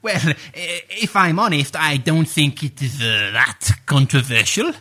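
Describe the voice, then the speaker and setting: A man with a slightly high voice, pushed and bright, speaks at a measured pace as a puffed-up, flustered playwright guest in a radio comedy sketch. His delivery is hesitant and stammering, packed with "uh"s and lofty, grandiose wording.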